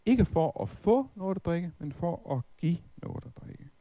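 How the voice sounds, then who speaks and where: A man's voice: on the high side, animated, warm tone, no room sound. A middle-aged man preaching a Bible teaching talk, asking rhetorical questions and reciting hymn verses.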